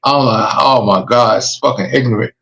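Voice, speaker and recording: A man's voice: mid-range voice, fairly quick, creaky, a bit bright, low-quality recording. A man hosting a podcast, giving emphatic, streetwise warnings and advice in casual chat. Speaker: podcast host.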